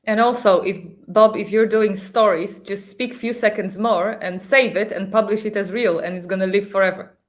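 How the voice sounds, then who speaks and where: A woman's voice: medium pitch, steady tone, normal speed. A woman speaking as a guest in a casual panel discussion, informal and often searching for words. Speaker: talk show guest.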